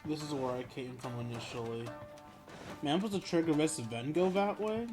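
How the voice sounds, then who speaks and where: A man's voice: fairly high pitch, moderate pace, over music. A man doing casual gameplay commentary as a streamer, musing aloud to himself and viewers. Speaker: video game streamer.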